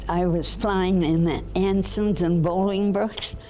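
A woman at a fairly low pitch, very slow pace, fairly even intonation, with clear music in the background. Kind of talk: interview answer. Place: hall. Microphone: lapel.

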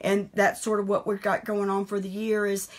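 This woman has a Southern US accent. Her voice is pitched in the medium range. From US South. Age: 50s. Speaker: paint and craft business owner; art teacher. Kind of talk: live stream chat. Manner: casual, halting. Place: workshop. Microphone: phone near.

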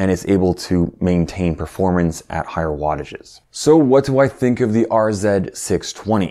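A dark, mellow tone with a Canadian accent, a fairly slow pace and a quiet background. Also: man. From Canada. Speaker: tech reviewer. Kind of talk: product review. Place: home room. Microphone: lapel.

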